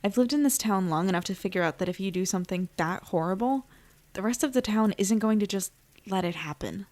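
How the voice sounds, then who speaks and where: A woman's voice: medium pitch, brisk, a little mellow, lightly acted. Woman as a defiant, blunt young captive. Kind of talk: audio drama acting.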